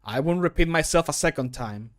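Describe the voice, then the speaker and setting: A man voicing a stern, formal city guard for a fantasy game, with measured, admonishing delivery. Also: a little high, expressive, natural voice. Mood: stern warning.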